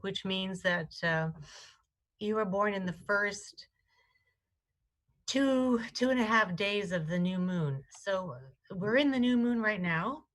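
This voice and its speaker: A woman astrologer co-hosting a live call-in show, with a voice of middling pitch. She talks in a chatty, affectionate way and restarts her sentences often as she explains a chart. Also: lively intonation, slow pace, a bit bright, rough recording. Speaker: astrologer and co-host.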